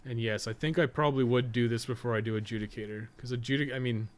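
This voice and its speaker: A man's voice: mid-range voice, steady tone, fast talker. A man gives casual, unscripted gameplay commentary, thinking aloud in a rambling, self-deprecating way with some mild swearing. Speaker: podcast co-host and game streamer. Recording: clearly noisy background.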